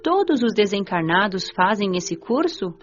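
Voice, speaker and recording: A woman with a Brazilian accent playing a gentle, eager young spirit who narrates her story in an audio drama. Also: medium pitch, big pitch swings, moderate pace, muffled recording, faint music behind, close to an everyday voice. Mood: grateful, curious.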